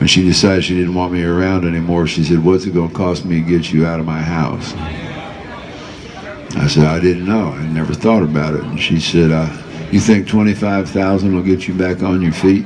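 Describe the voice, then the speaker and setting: Against noticeable background noise, a man speaks with a very deep, low pitch and monotone, flat intonation at a fairly quick pace. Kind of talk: comedic stage storytelling. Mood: dry deadpan humor. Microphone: camera far.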